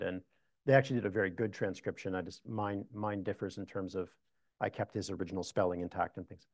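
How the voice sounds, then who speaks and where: A middle-aged man, a historian, answering audience questions in a meeting room, measured and thoughtful with frequent restarts. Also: lowish voice, a little mellow, no echo, clean studio sound. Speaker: historian giving a talk. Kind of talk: lecture Q&A answers.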